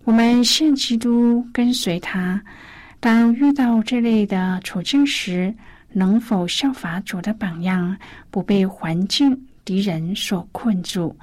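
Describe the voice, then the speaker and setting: A woman hosting a Christian radio devotional program, reading and preaching gently, often sliding into breathy, whispered phrases. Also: medium pitch, slow pace.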